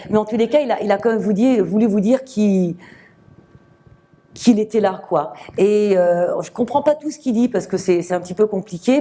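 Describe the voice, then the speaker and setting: Soft-spoken woman medium, halting speech. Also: mid-range voice. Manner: hesitant, many fillers and restarts; gentle, reassuring address to the sitter. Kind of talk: live medium reading to an audience.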